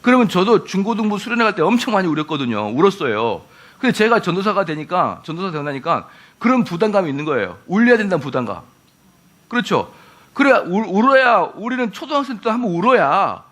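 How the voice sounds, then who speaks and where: A middle-aged man preaches in a church with a high, bright voice. His pitch swings widely as he acts out quoted exchanges between speakers. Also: sing-song, fairly quick. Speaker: pastor. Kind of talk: sermon.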